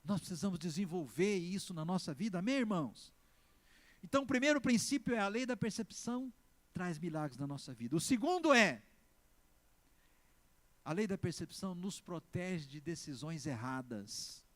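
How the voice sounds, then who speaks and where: A man with a Brazilian Portuguese accent preaching a sermon as pastor. He is emphatic, swings between loud exclamations and slow, stressed words, and keeps calling on the congregation to answer. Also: high voice, sing-song. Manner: asks the congregation for responses.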